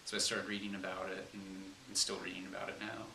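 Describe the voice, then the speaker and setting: Low gravelly man, brief, from Texas. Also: monotone, fast, bright, forceful tone, reverberant, far from the mic, slight background noise, low-quality recording. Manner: brief, plain answers with fillers. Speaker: aerospace engineer. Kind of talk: interview answers.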